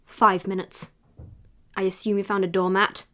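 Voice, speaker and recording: A woman's voice: medium pitch, flat delivery, moderate pace, fairly bright tone, close to an everyday voice. An actress playing a prickly, guarded reclusive woman novelist in an audio drama, speaking formally and precisely. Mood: guarded, sardonic. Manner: formal, clipped, sardonic, precise.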